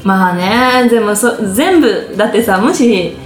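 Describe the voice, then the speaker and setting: A woman's voice: mid-range voice, lively intonation, measured pace, echoey room, faint music behind. A woman co-hosting a casual talk show, chatting and telling stories with frequent laughs. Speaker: podcast co-host. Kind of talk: casual chat.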